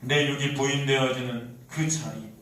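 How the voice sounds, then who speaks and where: Korean male pastor, Seoul accent, impassioned sermon with sudden loud and soft turns, recorded from afar in a reverberant sanctuary. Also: medium pitch, fairly even intonation, a little slow. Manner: dramatic swings from soft to loud, acting out voices. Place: church sanctuary. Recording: echoey church hall, mic at a distance.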